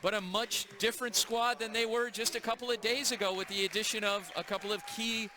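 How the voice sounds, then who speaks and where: A man calling a live high school basketball game play by play in a gym, brisk and energetic. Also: noisy background. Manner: brisk, energetic call of the action. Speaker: play-by-play announcer.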